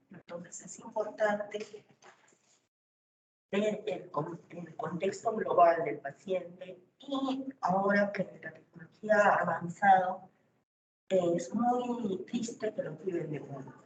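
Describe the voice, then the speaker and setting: A woman's voice: mid-range voice, lively intonation, slow. A woman giving a university lecture, explaining step by step and often checking in with rhetorical questions. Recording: distant, roomy, dull lo-fi recording with faint noise.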